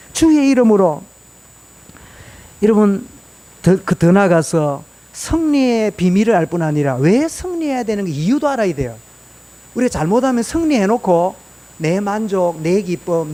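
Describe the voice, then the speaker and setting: High-voiced pastor preaching. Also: male voice, dark tone. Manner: peppers the congregation with rhetorical questions. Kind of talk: sermon. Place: church sanctuary.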